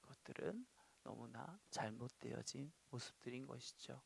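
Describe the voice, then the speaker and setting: Korean pastor preaching, dramatic swings. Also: male voice, medium pitch, expressive, normal speed, creaky, breathy edge. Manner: swings from quiet reading to loud acted outbursts. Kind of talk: sermon.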